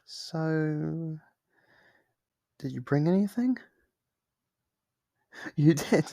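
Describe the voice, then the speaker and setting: A man voicing a lonely, clingy sealed demon who is sweetly manipulative, in an ASMR roleplay with soft-spoken, wheedling talk. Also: fairly high pitch, lively intonation, very slow, creaky, no echo, studio quality, exaggerated voice. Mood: delighted.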